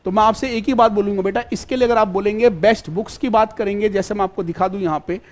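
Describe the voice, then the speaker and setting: Here a fast-talking man with a high voice and fairly even intonation leads a live online class for exam prep. Fatherly and repetitive, he addresses students as "beta" and regularly checks that they're keeping up.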